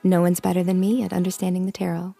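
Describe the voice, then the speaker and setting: An actress playing a playful, confident young psychic tarot reader in an audio comedy, with an American accent and a teasing, dryly amused manner. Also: female voice, on the low side, completely flat delivery, quick pace, vocal fry, warm tone, faint music behind. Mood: assured. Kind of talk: audio drama comedy acting, conversational.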